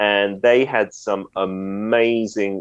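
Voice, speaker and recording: A man with a British accent talks at a fairly low pitch. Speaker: broadcaster. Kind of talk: podcast interview answer.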